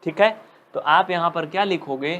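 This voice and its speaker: Higher-pitched man teaching math, scolding. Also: moderate pace, fairly bright tone. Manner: scolding, teasing students, reading out commenters' names. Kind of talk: live online class lesson.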